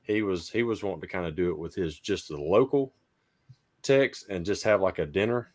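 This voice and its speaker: A man's voice: deep voice, moderate pace. A man with an American accent hosting a casual podcast chat. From United States. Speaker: podcast host.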